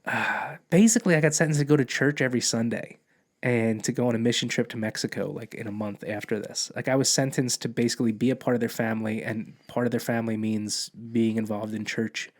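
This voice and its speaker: A man's voice: medium pitch, fairly even intonation, a little fast. Man, podcast guest, casual storytelling, rambling, lots of restarts, quotes people in his telling. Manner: rambling, restarts often, acts out quoted dialogue. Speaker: podcast guest, police officer.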